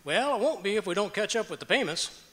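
A man's voice: high voice, lively intonation, fast talker, sharp tone, slight background noise. Man playing folksy, blustering husband, swooping delivery. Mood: defensive. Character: blustery, stubborn husband who hoards junk. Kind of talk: old-time radio comedy acting. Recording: echoey auditorium stage.

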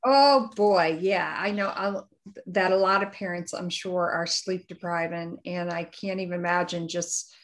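A woman's voice: fairly low pitch, steady tone, a little slow. A woman hosting a podcast interview, upbeat and appreciative toward her guest. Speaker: podcast host.

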